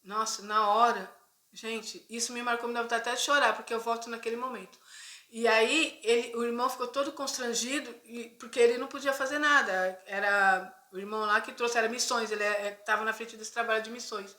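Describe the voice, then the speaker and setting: A woman's voice: a little high, fairly even intonation, a little fast, sharp tone. A middle-aged woman with a Brazilian Portuguese accent shares a personal testimony as a Christian vlogger. She talks conversationally and keeps checking in with her viewers. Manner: conversational, frequent tag questions to viewers. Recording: echoey room.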